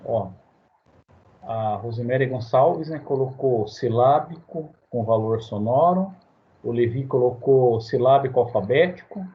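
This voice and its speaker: Man with a Brazilian Portuguese accent, moderator, mid-pitched, short relayed remarks, dull call audio. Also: unhurried. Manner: brief, relays chat messages. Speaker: session moderator reading the chat. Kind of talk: casual online meeting talk.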